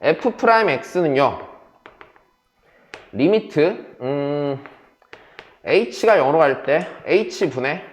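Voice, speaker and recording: A man's voice: fairly high pitch, expressive, drawn-out words, long pauses, roomy sound. A man teaching a math class, switching between casual and polite speech and often checking whether students follow. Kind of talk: classroom lecture.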